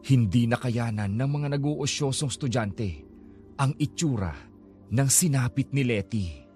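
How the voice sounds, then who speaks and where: A man narrating a horror tale in a slow, suspenseful storytelling manner. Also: medium pitch, expressive, music in the background.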